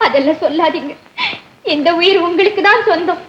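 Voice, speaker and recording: An actress playing a devoted young heroine who speaks in pleading, emotional declarations, in 1960s film acting. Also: female voice, extremely high pitch, a little fast, lo-fi sound, background noise. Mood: affectionate.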